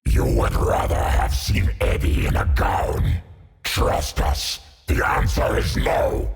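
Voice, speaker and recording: An actor playing a monstrous alien creature in a video game, with a rasping, hissing growl and a menacing, processed voice. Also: male voice, reverberant, raised voice. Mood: sardonic, menacing. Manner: slow, menacing. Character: monstrous alien symbiote speaking as a plural being.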